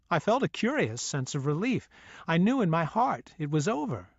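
A man narrating a memoir audiobook in a measured, sombre first-person reading. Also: on the high side, no room sound, dull audio.

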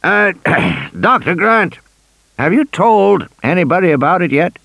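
A male narrator putting on a pushy old tycoon, all cheer and persistence. The voice rides noticeably higher and livelier than the reading voice, with a dry, close sound. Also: big pitch swings, unhurried, creaky, fairly bright tone, no echo, exaggerated voice. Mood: wary. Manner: insistent, persuasive, coaxing.

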